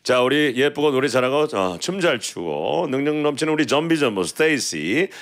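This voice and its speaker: A man's voice: mid-range voice, expressive, normal speed, fairly bright tone. A man co-hosting a radio show, playful and exclamatory as he introduces the guests. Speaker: radio co-host. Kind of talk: casual radio chat. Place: radio studio.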